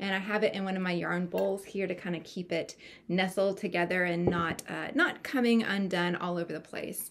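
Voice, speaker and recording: Speaking with an American accent, a woman keeps a medium pitch and a moderate pace. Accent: Southern US, thickens when comfortable. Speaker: crochet podcaster. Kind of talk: casual chat.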